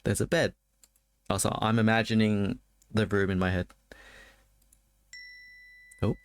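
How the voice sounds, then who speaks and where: A man livestreaming a horror game, moving between casual chat with viewers and reading story text aloud, often halting and repeating words when he chats. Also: lowish voice, steady tone, creaky, no room sound. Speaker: livestreamer, host of a spooky game stream.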